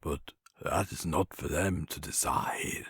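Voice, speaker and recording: A man playing a sage, kindly old wizard, giving solemn counsel in a breathy hush in fantasy film style. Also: a bass voice, steady tone, takes it slowly, no echo, whispered, clean studio sound, heavily acted. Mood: gentle, solemn. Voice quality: breathy, hushed.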